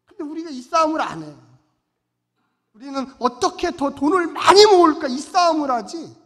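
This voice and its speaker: A male pastor preaching a sermon, his voice high for a man and ringing out in a church with a long reverb tail. He presses hard on rhetorical questions, repeating them and swinging between loud, driving lines and quiet asides. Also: sing-song, moderate pace. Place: church sanctuary.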